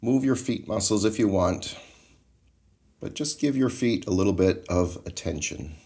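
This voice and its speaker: A man leading a guided Christian meditation in a calm, soothing, measured way. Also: fairly low pitch.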